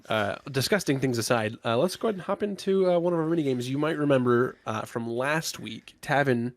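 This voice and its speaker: A man's voice: medium pitch, animated, moderate pace, dry recording. Congested man co-hosting a podcast, dry sound. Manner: loose and swearing, rattles through show plugs. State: congested, getting over a cold. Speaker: podcast co-host opening the show. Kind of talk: casual podcast chat. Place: podcast recording, indoors.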